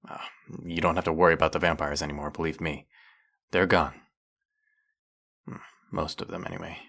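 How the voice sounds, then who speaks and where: Man acting a deep, gravelly brooding vampire hunter. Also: little pitch movement, sharp tone, full character voice. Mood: wry, restrained. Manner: interrogating, measured, wry. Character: centuries-old male vampire hunter, brooding, suspicious, menacing. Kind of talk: dramatic audio roleplay, addressing the listener.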